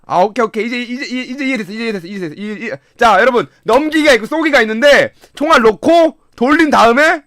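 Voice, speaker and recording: A man streaming a game, playing in casual commentary, excitable, mumbling to himself one moment and shouting and laughing the next. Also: very high voice, fast talker, hardly any pauses, dry recording, clean studio sound. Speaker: gaming streamer.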